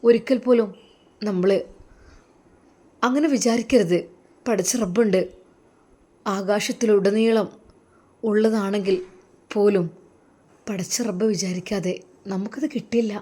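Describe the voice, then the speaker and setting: A woman's voice: mid-range voice, fairly even intonation, unhurried, pauses often, warm tone, natural voice. A woman voicing a grieving but resolute young Muslim woman in a spoken story, earnest and pleading. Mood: gently firm. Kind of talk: storybook voice acting.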